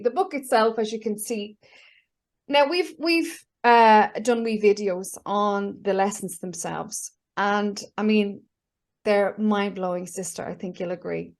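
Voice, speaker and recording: A woman, hosting a casual online interview with enthusiasm, full of fillers and restarts. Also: mid-range voice. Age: 50s. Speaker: host. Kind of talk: casual video-call interview.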